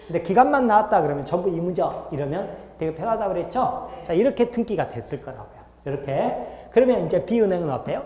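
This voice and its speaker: In an echoey lecture hall, a law lecturer whose voice sits on the high side with a dark tone explains concepts step by step. He checks in with the class frequently, and a little hiss or hum runs under the recording.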